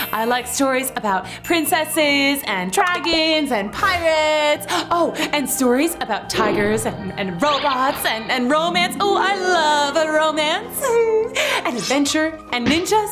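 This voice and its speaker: A woman's voice: high voice, lively intonation, slow pace, music in the background. A woman telling a children's story in character as a girl, with a bubbly, exclamatory, giggly manner. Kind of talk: animated first-person storybook narration in character as a girl.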